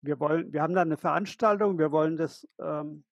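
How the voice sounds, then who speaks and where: A man's voice: a little high, fairly quick, no echo, highs cut off. An older man co-hosting a live podcast over a headset on a video call, talking earnestly and explaining with examples. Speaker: podcast co-host. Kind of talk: casual live podcast conversation.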